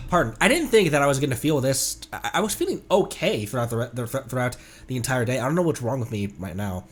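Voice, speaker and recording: A man's voice: medium pitch, very animated, fairly quick. A man livestreaming a game with casual, jokey commentary, reading bits of dialogue aloud. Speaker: streamer.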